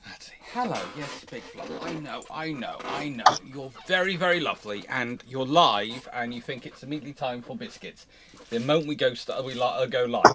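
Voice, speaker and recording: A man's voice: mid-range voice, a little fast, background noise. A man hosting a livestream in casual chat, rambling and repeating himself as he goes. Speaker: livestream host.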